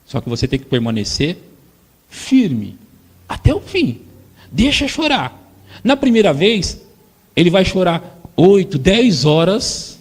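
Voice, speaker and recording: A man in his forties with a Brazilian accent, preaching a sermon as pastor and acting out parents and children in a husky voice. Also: high-pitched, takes it slowly, long pauses. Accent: Brazilian Portuguese. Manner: animated, acts out parents and crying children. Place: church hall. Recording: long church hall reverb.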